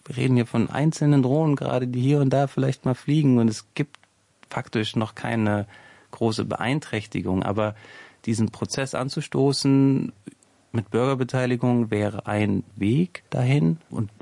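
A man, a sociologist, speaking as a studio interview guest, measured and explanatory, thinking aloud as he goes. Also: mid-range voice, vocal fry, warm tone, no room sound. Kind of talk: expert radio interview.

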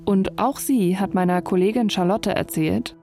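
A woman narrates a documentary report in a middle-pitched voice. Her delivery is calm and measured, as if reading a script. Quiet music runs behind her. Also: creaky. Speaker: journalist narrator. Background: faint music.

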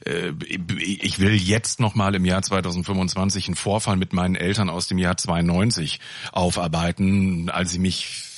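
A man's voice: deep voice, little pitch movement, normal speed, dry recording, clean studio sound. A man in a reflective discussion, speaking thoughtfully and searching for his words.

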